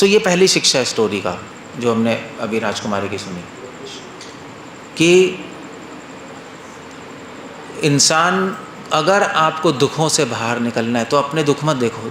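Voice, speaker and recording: Monk guy giving a chatty sermon, keeps checking ppl follow, echoey room w faint hiss. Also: fairly high pitch. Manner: conversational, checks listeners follow, repeats phrases. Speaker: monk and spiritual teacher. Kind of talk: storytelling sermon. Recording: roomy echo, faint noise.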